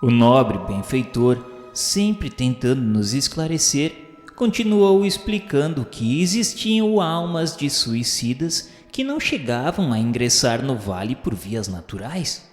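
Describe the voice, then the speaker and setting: A man narrates a radio drama in a solemn, dramatic way, pressing harder on key phrases. His mid-pitched voice rings in a long, roomy reverb. Soft music plays faintly underneath. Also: very animated, unhurried. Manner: solemn, dramatic, rising in emphasis.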